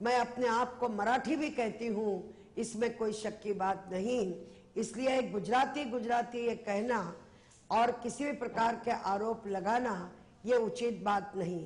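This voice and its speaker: A woman speaks with a Gujarati accent, her voice somewhat breathy. Her intonation is fairly even, and room echo is audible. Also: fairly high pitch for a woman. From Maharashtra, India (Mumbai). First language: Gujarati (speaking Hindi). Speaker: politician. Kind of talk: TV political interview.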